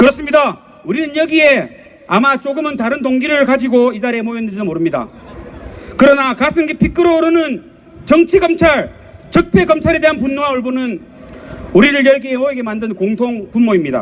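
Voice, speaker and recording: Against noticeable background noise, a man with an extremely high voice talks at a fairly quick pace with lively intonation. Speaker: rally speaker. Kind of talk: prepared speech read at a rally.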